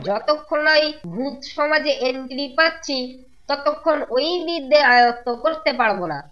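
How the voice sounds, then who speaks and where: A woman's voice: high voice, moderate pace, a bit bright, dull audio. A woman voicing an eager, fawning young male skeleton ghost in a children's cartoon, repeating himself. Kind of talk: Bengali children's cartoon voice acting.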